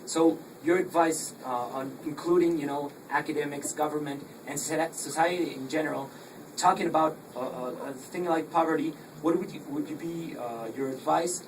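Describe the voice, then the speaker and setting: A man asking a spontaneous, earnest question at a public talk, halting and often rephrasing. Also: a little high. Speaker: audience questioner. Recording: distant mic, noisy room.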